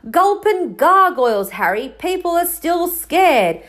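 A woman voicing a big, gruff, kind-hearted man with fiery feeling and folksy, rambling, colloquial speech in a storybook reading. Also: medium pitch, a little slow, lightly acted. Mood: hesitant, uneasy.

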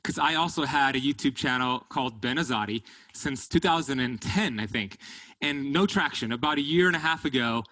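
A man hosting a podcast interview in an effusive, excited manner. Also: mid-range voice, fairly quick, dry recording, rough recording. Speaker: podcast host.

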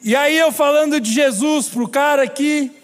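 Brazilian male pastor, very high voice, funny storyteller, preaching in a reverberant church hall. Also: moderate pace. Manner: humorous storytelling, chatty asides to the congregation. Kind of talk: sermon.

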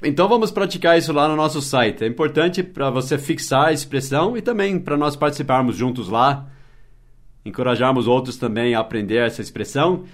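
A man raised in Brazil, with English as his first language, hosts a relaxed mini-podcast lesson. His voice sits at an ordinary mid pitch. He explains patiently and keeps weaving short English phrases into his talk. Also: fairly quick. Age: adult, past his teens. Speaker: English teacher, podcast host.

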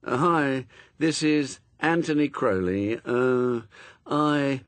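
A man's voice: medium pitch, animated, extremely slow, dry recording, voice pushed up. A man voicing a laid-back, cool demon in a storybook, casual, offhand and noncommittal.

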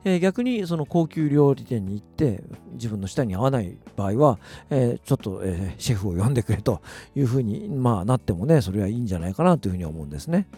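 A man's voice: medium pitch, sing-song, quick pace, hardly any pauses, dark tone, breathy edge, faint music behind. A man giving a chatty solo radio-style talk in very polite, formal phrasing, with a self-deprecating manner. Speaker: radio-style talk host, music producer and voice coach.

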